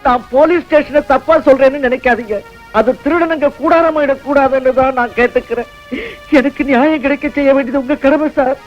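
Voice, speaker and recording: A man's voice: extremely high pitch, fairly even intonation, fairly quick, soft background music. An actor playing a retired male schoolteacher, older, earnestly pleading with a police officer. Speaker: retired school teacher robbed of savings. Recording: dull old film soundtrack.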